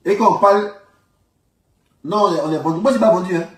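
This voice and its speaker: A man's voice: sits high, a little fast. A man with an Ivorian accent delivering an informal political rant in an emphatic, repetitive, indignant manner. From Ivory Coast. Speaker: online political commentator. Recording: roomy echo, distant microphone.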